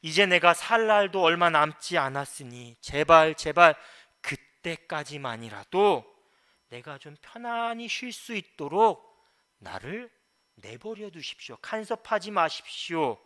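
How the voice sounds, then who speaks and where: A man's voice: sits high, big pitch swings, measured pace, fairly bright tone, full character voice. A pastor acting out the words of a suffering man who cries out to God, pleading desperately with a raised voice. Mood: anguished pleading.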